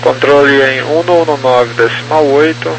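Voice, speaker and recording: A Brazilian man working as an air traffic controller, reading procedural clearances over aviation radio. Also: medium pitch, fairly even intonation, normal speed, low-quality recording. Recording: humming radio link with light noise.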